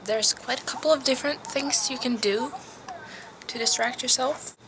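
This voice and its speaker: A teenage girl from Norway, giving casual advice in a vlog recorded outdoors. She talks softly and hesitantly, sometimes dropping to a whisper. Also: high voice, normal speed, noisy background. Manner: soft, hesitant, drops to a whisper at times. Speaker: vlogger.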